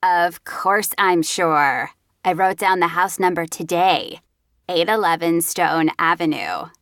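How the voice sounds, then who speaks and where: Woman as bold teen best friend, brusque and pushy, lowish voice, dry audiobook sound. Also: slow, fairly bright tone, dry recording. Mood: impatient. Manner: brusque and insistent.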